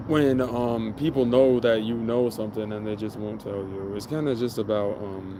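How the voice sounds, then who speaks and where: Against noticeable background noise, a man speaks at a moderate pace and medium pitch, with fairly even intonation and hardly any pauses. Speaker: livestreamer. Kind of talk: live stream chat with viewers. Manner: halting, many fillers and restarts; mumbling.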